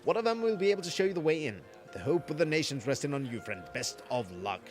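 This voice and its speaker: A man voicing a blunt, gruff male mining foreman in a game, talking in a folksy, colloquial way. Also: fairly high pitch, very animated, fast, faint music behind. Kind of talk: reading game dialogue aloud.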